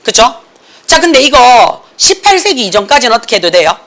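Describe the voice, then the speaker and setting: Woman English instructor, animated pitch, lecturing style, keeps asking the class questions. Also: a little fast. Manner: lively, asks students constant check questions.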